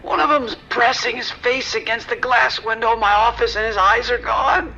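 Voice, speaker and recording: A high-voiced, terrified trapped survivor. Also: male voice, fairly even intonation, moderate pace, bright, forceful tone, heavily acted. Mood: horrified. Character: terrified trapped man, panicked and horrified survivor. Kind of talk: horror radio drama acting. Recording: dull radio sound with hiss.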